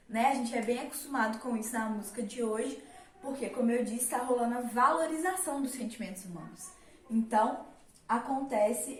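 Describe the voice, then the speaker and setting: A young woman teaching a casual literature lesson, chatty, with many fillers and rhetorical questions. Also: a little high. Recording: roomy, mic at a distance.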